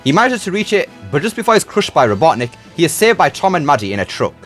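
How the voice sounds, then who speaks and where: A man's voice: on the high side, sing-song, fast talker. A man reading a scripted movie review as a voice-over, slipping into casual, slangy turns of phrase. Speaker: YouTube film reviewer and host. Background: music.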